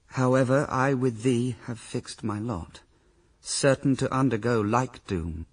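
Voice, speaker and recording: A man plays a devoted, resolute first man in a radio verse drama. He speaks slowly and gravely, with a breathy husk in his voice. He sits a little back from the mic. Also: medium pitch, far from the mic, natural voice. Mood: resigned, resolute. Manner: grave, solemn, measured verse delivery.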